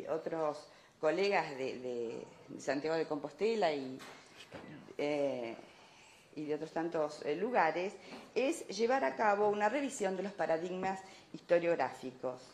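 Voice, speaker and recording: A woman speaking as an academic at a conference, addressing an audience emphatically, with repetition and rhetorical questions. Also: on the low side. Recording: echoey room, light background noise.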